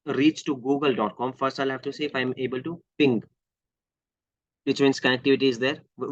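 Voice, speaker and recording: A man's voice: medium pitch, dry recording. A man with an Indian accent giving a live online technical lesson as an IT trainer, explaining step by step with repeated phrases, some Hindi mixed in and slightly unclear articulation. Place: online screen-share session. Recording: dull, lo-fi close microphone audio.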